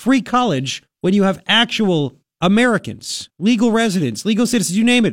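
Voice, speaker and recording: A high-pitched man with a New York accent and lively intonation, in a very clean recording with a silent background. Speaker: talk radio host. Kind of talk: political talk radio monologue. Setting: radio studio. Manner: animated.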